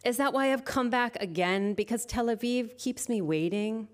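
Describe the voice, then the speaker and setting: A middle-aged woman poet and lecturer, introducing her work haltingly before a slow, measured reading of her poems into a stage microphone. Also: a little high. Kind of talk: poetry reading with spoken introduction. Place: stage at a literary venue.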